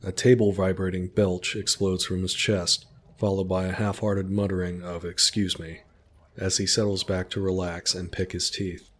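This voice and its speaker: Deep-voiced man narrating a story. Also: flat delivery, moderate pace, few pauses, a little hiss or hum.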